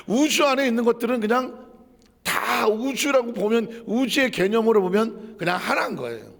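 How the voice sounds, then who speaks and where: High, gravelly-voiced man preaching a sermon. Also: a bit bright, big-room sound. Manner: conversational preaching with rhetorical questions and asides; shifts between formal and casual speech levels. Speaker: pastor.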